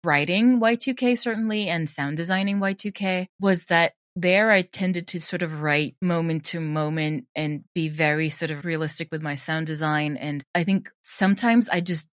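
A woman with a slightly low voice talks reflectively, as a creator being interviewed. She explains things in a loose, conversational way, softening her points as she goes. The sound is close and dry. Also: moderate pace, few pauses, no echo.

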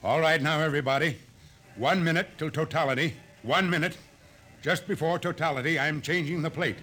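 A man's voice: on the high side, fairly quick, sharp tone. A man playing an urgent, commanding scientist in a 1950s radio drama, with clipped dramatic delivery. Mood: tense, commanding. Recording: noisy old radio recording.

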